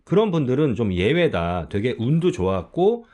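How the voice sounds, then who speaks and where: A man's voice: medium pitch, normal speed. A middle-aged man, a YouTuber, talking casually and emphatically to his viewers and pushing back on comments. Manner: animated, emphatic, argumentative. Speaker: YouTuber sharing life-abroad stories. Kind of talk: casual talk to camera.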